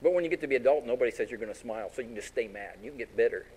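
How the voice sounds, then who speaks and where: A man's voice: mid-range voice, racing, a little hiss or hum, low-quality recording. A man preaching a sermon as pastor in a folksy, storytelling way. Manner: folksy, animated storytelling with acted-out voices.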